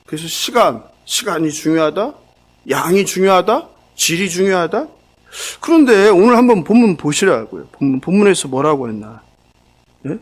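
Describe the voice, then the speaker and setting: Male pastor, high and lively voice, sermon full of questions to the congregation. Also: breathy edge. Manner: animated preaching, keeps asking the congregation questions. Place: church sanctuary.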